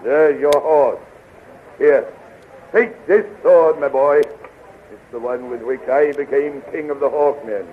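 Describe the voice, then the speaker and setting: A man's voice: fairly high pitch, takes it slowly, phone-quality sound. An actor playing a boisterous, regal king of winged men in a 1930s radio serial, grandiose and hearty, on a scratchy old recording. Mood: hearty, fatherly.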